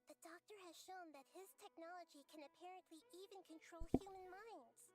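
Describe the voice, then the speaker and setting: A woman playing a small, wise, gentle girl deity in an anime game, measured and thoughtful. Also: very high-pitched, fairly even intonation, over music. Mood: calm.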